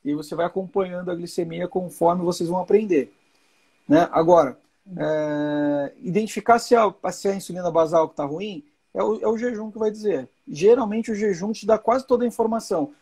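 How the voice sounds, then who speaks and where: A man's voice: high-pitched, a little fast, darkish tone, husky. A man in his forties hosting a live chat, explaining with reassurance and repeating key points. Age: 40s. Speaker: host.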